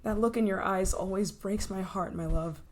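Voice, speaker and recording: A woman's voice: medium pitch, background noise, natural voice. A woman playing an obsessive, menacing scientist in an intense, possessive ASMR roleplay. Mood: tense, hushed. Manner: intense, pleading, possessive, dramatic pauses. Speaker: voice actor in audio roleplay.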